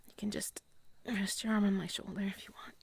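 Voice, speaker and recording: A woman playing an affectionate, playful companion on a moonlit walk in an intimate whispered role-play, with a soft, breathy voice. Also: medium pitch, flat delivery, brisk. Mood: tender, soothing.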